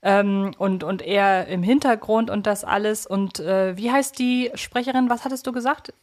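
A woman with a medium-pitched voice co-hosts a casual podcast. She analyses things reflectively and articulately, working through her thoughts as she speaks. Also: steady tone, moderate pace. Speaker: podcast co-host.

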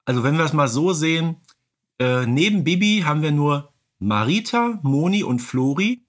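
Husky middle-aged man, casual podcast co-host. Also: a little high, sing-song, normal speed.

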